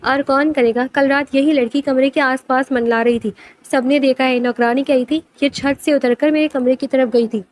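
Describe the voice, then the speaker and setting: A woman voicing a harsh middle-aged aunt who speaks in a shrill, accusing way. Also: steady tone, dry recording, natural voice.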